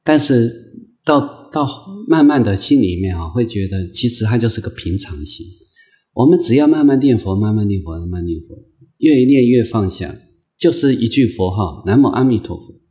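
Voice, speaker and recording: A man, a Buddhist monk, giving an unscripted dharma lecture in a gentle, patient way, repeating phrases and filling pauses with soft drawn-out sounds. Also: on the low side, lively intonation. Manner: gentle, repetitive phrasing with many drawn-out "ah" fillers; slow, patient, coaxing delivery.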